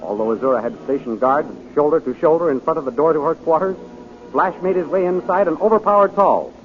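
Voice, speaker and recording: A man's voice: on the high side, a little fast. A man announcing and narrating a 1930s radio adventure serial in a dramatic, declamatory style. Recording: dull 1930s radio recording with music.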